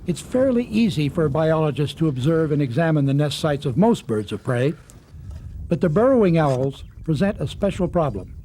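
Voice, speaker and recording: Mellow higher-voiced man narrating a nature documentary. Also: very animated, normal speed, a little hiss or hum.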